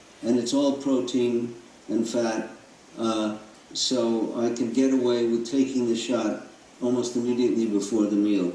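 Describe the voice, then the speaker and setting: A man of medium pitch speaks in a flat monotone. There is audible room echo and noticeable background noise. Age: 80s+. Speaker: physician. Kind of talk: Q&A answer to a caller. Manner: hesitant, many fillers.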